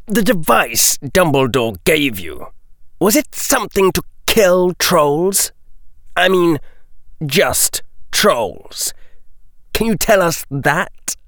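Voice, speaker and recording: A curious young aristocratic boy presses with eager, pointed questions, as a male reader puts him on. The delivery is slow and measured. The sound is dry and close. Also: a little high, sing-song, a bit bright, no room sound, voice pushed up, heavily acted. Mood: intent.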